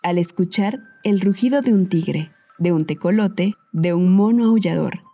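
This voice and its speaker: A woman, narrating a documentary podcast as its host in a calm, measured way. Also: fairly low pitch, faint music behind.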